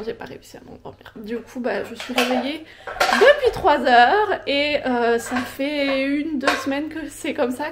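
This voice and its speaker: A young woman vlogger chats casually to camera at home, tired and sniffly with a cold, using lots of hesitant fillers. Her voice sits high, and the recording is very noisy.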